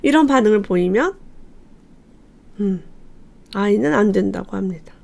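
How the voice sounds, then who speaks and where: A woman hosting a book channel, reading passages from a parenting book aloud and commenting on them, telling the anecdotes in a lively way. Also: medium pitch, normal speed, creaky. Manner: lively storyteller who acts out quoted lines.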